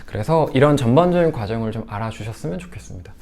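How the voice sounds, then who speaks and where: Animated male lecturer with lively pitch. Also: rapid-fire. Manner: animated, acts out quoted lines. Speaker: sex education lecturer. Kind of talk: lecture to parents.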